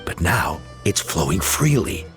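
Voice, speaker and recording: A man playing an earnest tribal leader in a video game, speaking deliberately and with emphasis. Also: low-pitched, very animated, music in the background. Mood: pondering.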